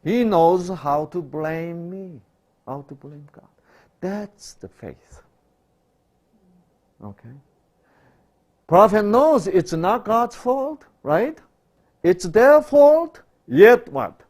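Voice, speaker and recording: Male preacher; slow, very lively pitch, quizzes the congregation. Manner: asks rhetorical questions and answers them; swings between loud emphatic bursts and quiet low asides. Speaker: pastor. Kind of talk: sermon.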